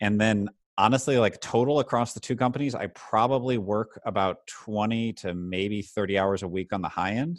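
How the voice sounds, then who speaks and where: With hardly any pauses, a man speaks at a moderate pace and a fairly low pitch. His ordinary pitch variation sits against a quiet background. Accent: American. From US Midwest, St. Louis area. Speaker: entrepreneur. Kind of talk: interview.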